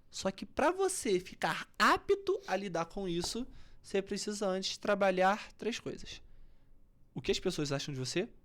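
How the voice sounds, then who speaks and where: A Brazilian woman with a mid-range voice explains public speaking as a coach during a podcast interview. She is very expressive, alternating firm, loud emphasis with soft near-whispers to illustrate tone of voice.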